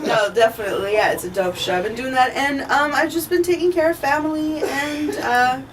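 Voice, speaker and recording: A woman's voice: high-pitched, a little fast, a crowd in the background. A woman comedian from Pasadena chatting casually as a guest, loose and profane, laughing easily. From Pasadena, California. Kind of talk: casual chat. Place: garage studio with live audience. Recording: noisy room mic from a distance.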